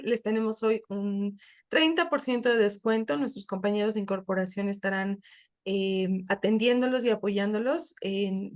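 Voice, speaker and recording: A woman coordinator opening and moderating a webinar, speaking politely and welcomingly with frequent fillers. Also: mid-range voice. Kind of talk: webinar introduction. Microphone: video call.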